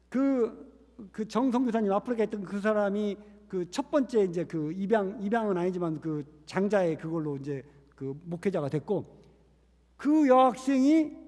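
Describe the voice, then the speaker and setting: A man's voice: high-pitched, mellow. A man who is a missionary preaching a sermon, telling a story earnestly. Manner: earnest storytelling, acting out quoted voices. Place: church sanctuary. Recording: reverberant church hall.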